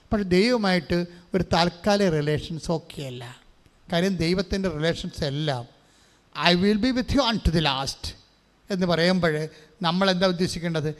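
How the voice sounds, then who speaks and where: Male preacher with a high voice and long hall reverb. Leads a call-and-response sermon, asks the crowd questions and mixes in English phrases. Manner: asks the congregation questions and has them repeat verses. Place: large church hall.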